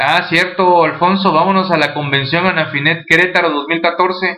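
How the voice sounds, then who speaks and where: A high-pitched man's voice at a fairly slow pace with fairly even intonation. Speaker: tax webinar instructor. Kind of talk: online lecture. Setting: video webinar with screen sharing. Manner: casual, many fillers.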